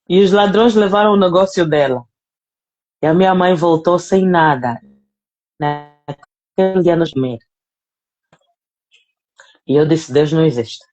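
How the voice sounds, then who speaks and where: In a dull-sounding recording, a woman with a lowish, darkish voice shares her personal testimony of faith. As a guest, she speaks straight to the apostle with earnest emotion, repeating words to drive her point home.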